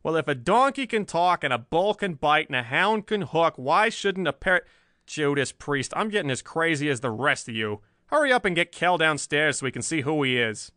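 A man voicing a gruff, hard-boiled male newspaper editor who growls and blusters. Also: fairly high pitch, big pitch swings, moderate pace, pushed and bright, dry recording, studio quality, pitched above the performer's own voice.

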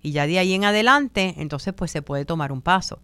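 Puerto Rican woman host, smooth low voice, dry booth sound, chatty advice show. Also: a little fast, dry recording. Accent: Puerto Rican Spanish. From Puerto Rico. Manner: relaxed, many fillers, acts out quoted voices. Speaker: radio host on communication and wellbeing. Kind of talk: conversational talk on communication styles.

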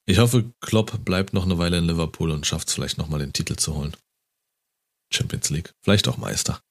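A man in casual conversation about football, talking enthusiastically and getting animated as he retells a match. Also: deep voice, brisk. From Germany.

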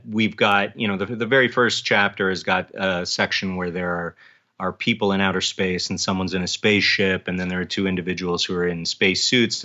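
A man's voice: lowish voice, sharp tone, dull audio. A man talking casually as an author being interviewed about his work.

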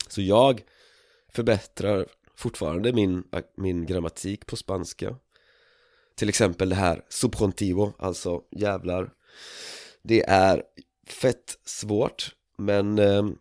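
A man with a fairly low voice hosts his podcast in a loose, casual monologue. He keeps a relaxed tone, with frequent chuckles and fillers between thoughts. The sound is dry and close. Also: no room sound. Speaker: podcast host.

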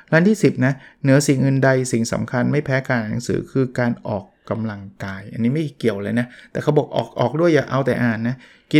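A man in casual talk about books and reading, relaxed and chatty, with fillers and asides. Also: mid-range voice. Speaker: book commentator.

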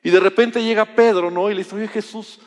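A man's voice: high-pitched, fairly even intonation, brisk, long reverb tail. A man preaching a sermon in a conversational way, acting out biblical dialogue as he tells it.

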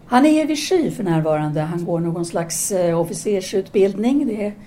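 A woman acting as a candid, rational intellectual in a radio play. Her voice is dark and soft-edged at a medium pitch, measured and formal. She stays composed, with faint noise behind her. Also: expressive, lightly acted. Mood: frank. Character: cool, candid female French intellectual, rational and frank. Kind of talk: audio drama dialogue.

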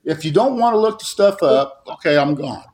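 A man's voice: on the high side, animated, brisk, a little mellow. A man in his late fifties, a talk show guest, speaking bluntly and defending himself with emphasis. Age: 50s. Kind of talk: heated talk show argument.

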